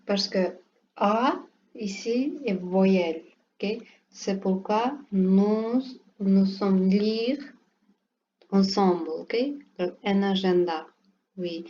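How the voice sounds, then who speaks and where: Woman teacher, slow patient classroom explanations, warm low tone, muffled lo-fi recording with light hiss. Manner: repeats "ok" often, simple halting phrasing. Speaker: French teacher. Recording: dull lo-fi recording with faint room noise.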